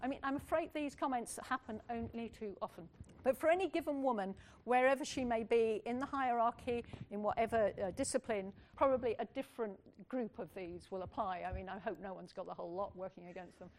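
An older woman delivers a lecture in an earnest, candid manner, thinking aloud and adding asides as she goes. Her voice sits a little high. A faint hiss lies under the recording. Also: a little fast, a little mellow. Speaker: university lecturer. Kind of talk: public lecture.

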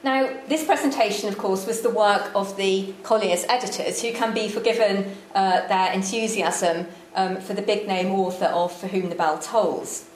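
A woman giving a lecture on slides, measured and dry-witted, with frequent ums. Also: mid-range voice, steady tone. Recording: echoey room with faint background noise.

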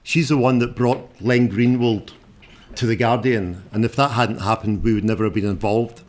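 A man's voice: lowish voice, fairly even intonation, normal speed. Older man, strong Scottish accent. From Scotland. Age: 60s. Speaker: journalist giving a talk. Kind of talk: informal unscripted public talk.

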